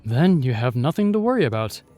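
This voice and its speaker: An actor playing a gallant, protective knight in a fantasy audio drama, earnest, courtly and commanding. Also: male voice, mid-range voice, very animated, fairly quick, warm tone, faint music behind, lightly acted. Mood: reassuring.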